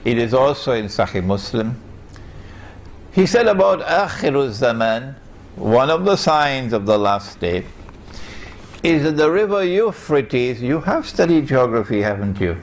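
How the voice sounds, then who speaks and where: A man lectures at an unhurried pace. His pitch rises and falls in wide, animated sweeps. He stresses his points and keeps putting rhetorical questions to his listeners. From Trinidad and Tobago. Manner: emphatic, rhetorical questions to the audience. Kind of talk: public lecture.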